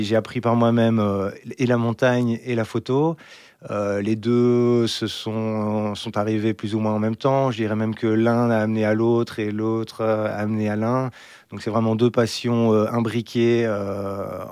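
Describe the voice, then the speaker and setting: A man from Belgium in his thirties, a mountain photographer talking in a relaxed podcast interview, hesitant with many fillers and restarts. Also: lowish voice, dry recording, studio quality.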